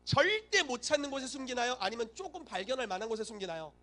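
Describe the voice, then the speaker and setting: A man's voice: very high voice, very animated, quick pace, sharp tone. A male pastor preaching a sermon, telling the story animatedly and acting out the voices he quotes.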